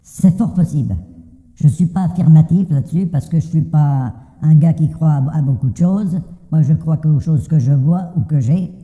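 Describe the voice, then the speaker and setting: A man's voice: on the high side, moderate pace, mellow. An older man giving a casual personal testimony in a colloquial, plain-spoken way, often repeating words hesitantly. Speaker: interviewee giving an anonymous testimony. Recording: very muffled, reverberant hall-like sound.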